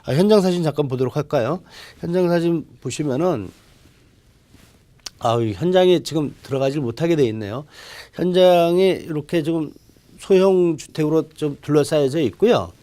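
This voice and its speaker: A man gives unscripted expert advice in a formal, polite register. His voice is mellow and dark-edged yet a little high in pitch. He moves haltingly through explanations, often repeating a phrase before going on. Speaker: real estate expert on a TV advice show.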